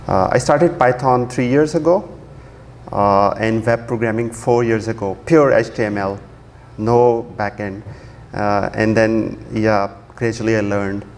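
A man's voice: on the low side, measured pace, slight background noise. Man in a hall. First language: Urdu. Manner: relaxed, many fillers and restarts. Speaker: conference speaker. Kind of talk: technical conference talk. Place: large dark auditorium, at a podium. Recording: long hall reverb, faint ambience.

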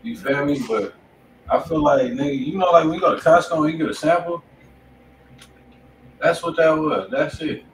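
A man's voice: on the high side, normal speed, long pauses. An American man giving blunt, slangy, casual commentary as co-host of a livestreamed music review. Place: indoor home studio. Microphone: distant from the speaker. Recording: echoey, distant, noisy studio room.

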